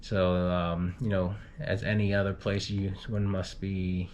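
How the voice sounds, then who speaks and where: Low-voiced man haltingly reading news. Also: little pitch movement, darkish tone, highs cut off, slight background noise. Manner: halting reading with stumbles and repeats. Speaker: guest news reader, group moderator. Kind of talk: reading travel news, unpolished.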